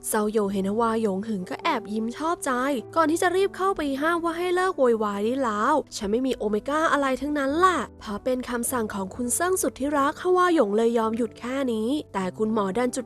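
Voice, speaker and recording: A woman's voice: high voice, expressive, fast, few pauses, a bit bright. A woman telling a series recap in a chatty, playful way, as casual spoiler narration.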